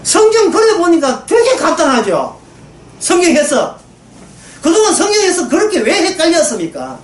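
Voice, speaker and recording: A woman's voice: extremely high pitch, huge pitch swings, normal speed. A woman preaching a sermon, emphatic and full of rhetorical questions, often prodding listeners for agreement. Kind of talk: sermon lecture. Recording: echoey room from a distance, faint ambience.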